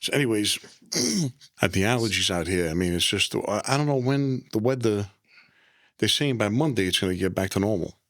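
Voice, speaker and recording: A man hosting a podcast, chatting and joking in a relaxed way over lunch. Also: fairly low pitch, normal speed, no room sound, studio quality. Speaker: podcast host. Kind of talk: casual chat over food.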